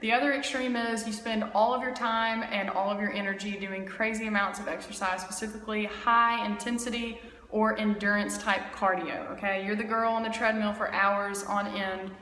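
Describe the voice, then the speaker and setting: A woman's voice: medium pitch, bright, forceful tone, slight background noise. A woman in her twenties, a health coach, giving a casual, emphatic talk to camera and often checking in with "okay?". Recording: echoey room with long reverb.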